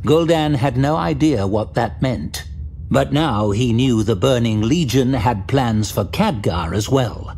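A man's voice: medium pitch, unhurried, darkish tone, a little hiss or hum. A man giving a dramatic scripted narration of a fantasy story. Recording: music behind the narration.

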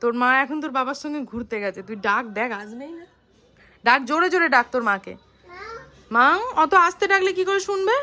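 Woman vlogger, high voice, casual family chat with a toddler. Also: expressive, a little fast, bright, forceful tone. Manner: talks sweetly to a small child, coaxing and playful.

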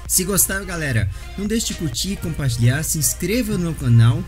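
A man's voice: a little high, lively intonation, a little fast, darkish tone, soft background music. A man with a Brazilian accent delivering a channel outro as host.

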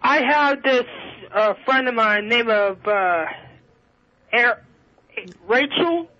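A man calling in to a radio show over the phone, talking in a halting, rambling way full of restarts and fillers. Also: extremely high pitch, expressive. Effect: caller heard over a phone line. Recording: dull lo-fi phone line.

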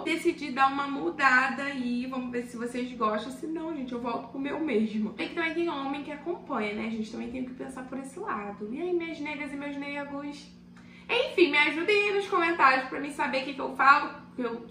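A woman's voice: high voice, bright, forceful tone, far from the mic. A young woman from Brazil chatting casually to her viewers while cooking in her home kitchen. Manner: chatty, addresses viewers affectionately. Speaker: cooking vlogger. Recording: echoey kitchen from off-mic with music.

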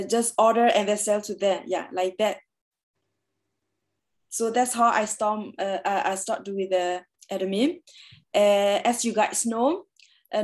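A young woman from Sweden giving an informal personal testimonial on a video call in a halting, hesitant manner. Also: medium pitch, darkish tone. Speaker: seminar speaker.

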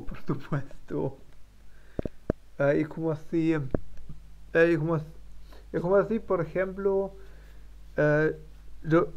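A man's voice: a little high, vocal fry, darkish tone, lo-fi sound. A man who is learning Spanish, stumbling through his daily practice stream with many fillers, restarts and self-corrections. Spanish is not his first language. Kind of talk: halting live-stream practice talk.

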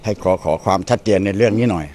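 Older man, vox pop, polite and halting, slightly low. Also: darkish tone, dry recording. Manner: hesitant, polite. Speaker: interviewee. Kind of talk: street interview. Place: outdoors among trees. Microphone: handheld mic.

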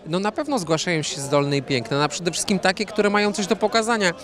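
A man in his thirties answering questions at an outdoor evening gala into a handheld mic, relaxed and rambling with many fillers. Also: sits high, brisk. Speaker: interview guest, fashion designer. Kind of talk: red-carpet interview. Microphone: handheld reporter mic.

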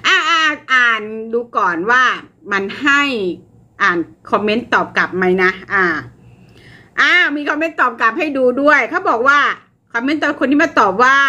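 A woman's voice: fairly high pitch, sharp tone. An older woman hosting her channel, casually reading and explaining online comments to viewers with lots of fillers. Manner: chatty, addresses viewers, frequent fillers, laughs at jokes. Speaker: channel host.

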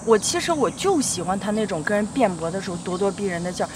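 A woman's voice: mid-range voice, expressive, fast talker, noisy background, lightly acted. An actress playing an earnest young woman in a TV drama, confiding and sincere. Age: young adult. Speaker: girlfriend. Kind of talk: TV drama acting.

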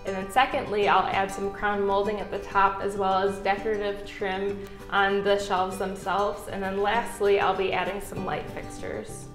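A woman's voice: mid-range voice, level tone, normal speed. A young woman explains her home office makeover in a cheerful, chatty way, with the odd "um." The bare room gives her voice a noticeable echo, and music plays behind her. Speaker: illustrator and graphic designer. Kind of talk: DIY renovation vlog. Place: home office under renovation, indoors.

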